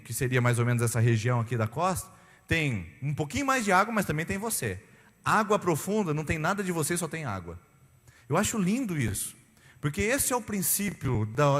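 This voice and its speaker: A man preaching a Sunday sermon as pastor, animated and acting out little voices of the people he describes. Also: mid-range voice, big-room sound. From Brazil. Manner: animated, acts out voices of beachgoers. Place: church.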